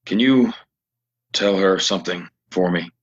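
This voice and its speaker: An actor playing a reserved, weary, honorable drifter in a Western audio play, halting and solemn, on a dull recording. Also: male voice, sits low, breathy edge. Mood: regretful.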